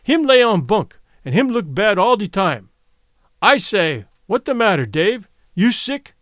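A fierce young woman speaking halting, broken English, her voice pitched high and pressed loud, as a male audiobook reader puts her on. She talks in blunt, short phrases. The sound is dry and close. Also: sing-song, no room sound, exaggerated voice. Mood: accusing.

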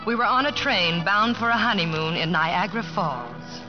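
An actress playing a gentle, devoted young American wife in an old-time radio drama, speaking with tender poise. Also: female voice, lowish voice, animated, normal speed, natural voice. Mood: fond, reflective. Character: gentle, devoted young sweetheart and wife, narrating her memories. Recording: dull vintage radio recording, music behind.

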